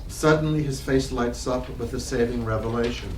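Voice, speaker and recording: A man's voice: mid-range voice, moderate pace. A man reading stage directions as scripted narration for a dramatic play reading. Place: library reading room, public event. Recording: roomy, distant mic, noisy room.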